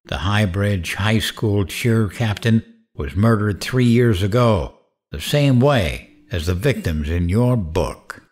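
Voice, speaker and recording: A man playing a mad, grieving radio host out for revenge in an audio drama, taunting in a theatrical, deliberate way. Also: lowish voice, lively intonation, a little mellow. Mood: mocking, angry. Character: mad, vengeful, grieving male late-night radio host. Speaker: radio show host character.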